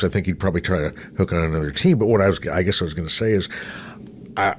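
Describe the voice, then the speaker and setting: A man's voice: on the low side, slight background noise. A middle-aged American man, a radio host, chatting casually in a rambling storytelling way and acting out what people said. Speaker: radio show host and broadcaster. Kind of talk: casual anecdotal chat.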